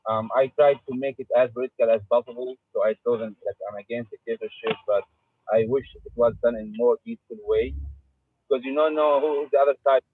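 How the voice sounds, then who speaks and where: A man from Syria, a residency applicant, speaking haltingly and softly about his interviews on a video call. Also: mid-range voice, fairly even intonation, slightly rough, no room sound. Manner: halting, soft-spoken, plain accounts. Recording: tinny phone-like call audio.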